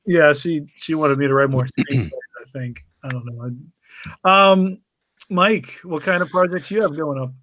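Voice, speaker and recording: A man's voice: fairly high pitch, measured pace, fairly bright tone, rough recording. A man co-hosting a podcast, asking guests questions and teasing them in casual chat. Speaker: podcast co-host. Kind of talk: casual video call chat.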